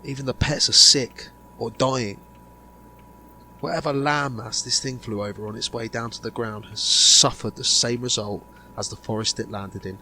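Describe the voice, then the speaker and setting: A man's voice: medium pitch, fairly even intonation, moderate pace, pushed and bright. Man acting grave conspiracy insider, noisy recording. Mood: grave, bewildered. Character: grave male insider revealing a sinister conspiracy. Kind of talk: amateur audio drama dialogue.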